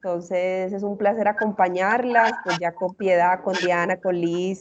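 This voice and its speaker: A woman holds fairly even intonation at a medium pitch while talking fairly slowly. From Colombian Caribbean coast (Barranquilla). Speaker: social impact consultant. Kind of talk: workshop presentation. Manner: hesitant, many fillers and repetitions.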